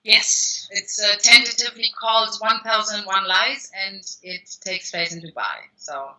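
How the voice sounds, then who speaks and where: A woman's voice: mid-range voice, steady tone, a little slow, pushed and bright, low-quality recording. A woman with a German accent, a guest author talking through her career in a rambling way, with many restarts and fillers. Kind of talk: conversational interview answers.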